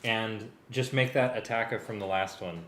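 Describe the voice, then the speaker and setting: A man's voice: on the low side, steady tone, normal speed, a bit bright. A man in a casual working discussion, hesitant and thinking aloud as he directs the planning. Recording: roomy echo, clicks, faint background noise.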